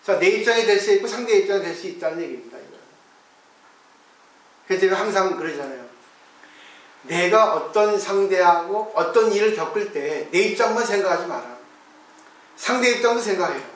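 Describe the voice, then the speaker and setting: Male monk, fairly high voice, chatty dharma talk, rhetorical questions, booming reverb, distant mic. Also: fairly bright tone. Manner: conversational, asks listeners rhetorical questions; acts out his own replies to disciples. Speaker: Buddhist monk teaching. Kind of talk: dharma talk on a Zen text. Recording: very echoey room, voice from off the mic.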